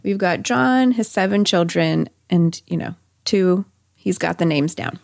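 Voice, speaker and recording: A woman's voice: lowish voice, a little slow, gravelly, darkish tone, no echo, studio quality. A woman hosting a podcast, telling a true-crime story conversationally with chatty asides. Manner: chatty asides amid narration. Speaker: podcast host.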